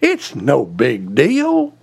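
A man's voice: medium pitch, wildly swooping pitch, extremely slow, creaky, darkish tone, husky, pitched below the performer's own voice, full character voice. A man voicing a swaggering male rooster in a spoken joke, with a folksy drawl. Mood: coaxing.

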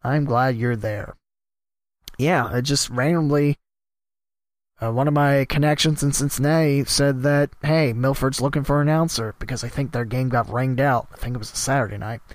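A man, hosting a solo podcast and rambling casually about announcing gigs, his voice a bit worn from a cough and trailing off quietly at the ends of thoughts. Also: a little high, fairly even intonation, moderate pace, dry recording, studio quality. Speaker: podcast host and sports announcer.

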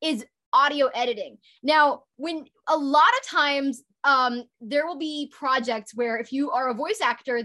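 High-voiced chatty young woman. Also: pushed and bright. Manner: chatty, upbeat, many fillers and restarts. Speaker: guest, voice actor and author. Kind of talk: casual interview chat. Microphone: home recording setup.

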